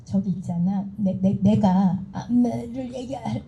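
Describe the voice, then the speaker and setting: A middle-aged woman giving a motivational seminar talk, animated and acting out the dialogue she recounts to the audience. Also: medium pitch, measured pace, highs cut off. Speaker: seminar speaker.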